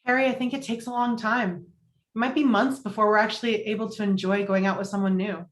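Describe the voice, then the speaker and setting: A woman playing a frank, opinionated single friend, quick to get indignant, in a film comedy table read. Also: medium pitch, steady tone, natural voice. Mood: sympathetic, wry. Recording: roomy, echoing home recording.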